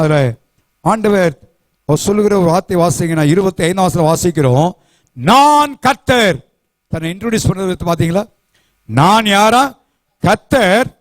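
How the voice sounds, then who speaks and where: Male pastor, fervent call-and-response preacher; pitched high, dry and close-miked. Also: fast, darkish tone, no room sound. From South India. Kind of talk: sermon. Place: church.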